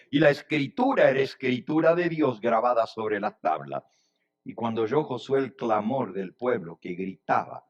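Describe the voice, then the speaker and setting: Male pastor, slow deliberate delivery, dramatic scripture reading, rises and falls in force. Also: medium pitch, muffled recording. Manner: reads scripture slowly, voices the figures with swells and drops.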